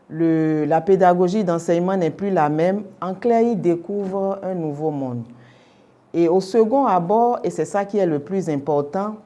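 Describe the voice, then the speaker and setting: A young adult woman whose first language is Yoruba speaks slowly, with a warm, mellow tone. She explains her views carefully, posing rhetorical questions as an interview guest. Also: lowish voice. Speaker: orientation specialist guest. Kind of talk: formal radio interview answers.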